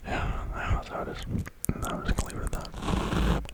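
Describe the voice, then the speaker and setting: A person speaking in a breathy ASMR whisper, rambling casually and reflectively with a hesitant manner. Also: moderate pace. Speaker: ASMR creator.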